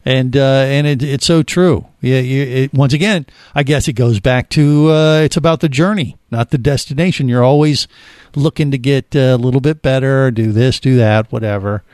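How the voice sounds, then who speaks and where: A man's voice: mid-range voice, moderate pace, darkish tone, dry recording, clean studio sound. Rambling middle-aged man co-hosting. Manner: rambling, filler-heavy, chuckling. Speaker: podcast co-host. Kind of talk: casual chat.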